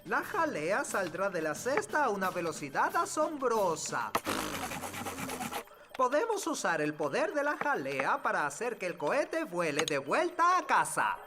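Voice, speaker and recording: A man's voice: high-pitched, huge pitch swings, measured pace, music in the background, heavily acted. An actor voicing a smug, pompous old male elf in a Latin American Spanish children's cartoon dub. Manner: pompous, self-assured.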